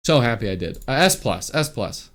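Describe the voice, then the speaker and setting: Male YouTuber, mid-pitched, excited and rambling fan commentary full of fillers and restarts. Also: moderate pace. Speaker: YouTuber ranking anime arcs.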